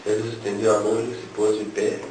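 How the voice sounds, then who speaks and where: Telling his story and acting out the dialogue, a man delivers an emotional religious testimony. His voice sits on the low side, mellow and monotone, and he speaks fairly quickly. The recording is echoey and distant, in a noisy room.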